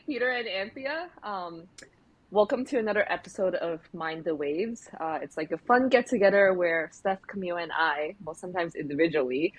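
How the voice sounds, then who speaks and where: A woman's voice: lowish voice, rough recording. Podcast host, female, casual and giggly, lots of ums. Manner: chatty and giggly, many fillers. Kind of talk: casual interview chat.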